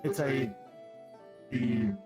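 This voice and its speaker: A woman's voice: a bass voice, very slow, music in the background. A woman in casual improvised roleplay, speaking hesitantly and often trailing off. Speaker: roleplayer in a virtual-reality game.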